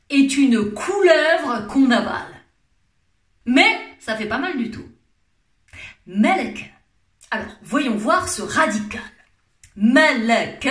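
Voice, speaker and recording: A woman's voice: a little high, fairly bright tone. A woman with a French accent doing a playful, theatrical comic monologue, teasing and laughing often. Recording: roomy echo.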